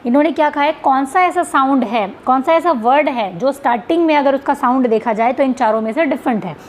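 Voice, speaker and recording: High-voiced woman teaching phonetics. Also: slight background noise. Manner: explanatory, repeats "ठीक है" and rhetorical questions; reads English questions slowly. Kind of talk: Hindi exam-prep lesson on English phonetics.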